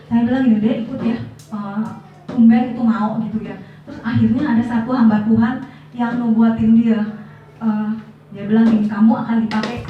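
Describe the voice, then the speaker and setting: A woman's voice: fairly high pitch, phone-quality sound. A middle-aged woman giving a personal testimony in church, chatty and storytelling with casual fillers, recorded from far off in an echoey hall.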